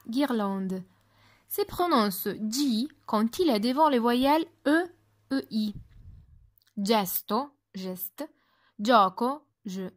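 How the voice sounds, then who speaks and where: Woman, language teacher, unhurried careful delivery, dry close recording. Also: a little high, no room sound. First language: Italian. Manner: deliberate, spells and repeats words with French translations. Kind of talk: slow, careful pronunciation lesson.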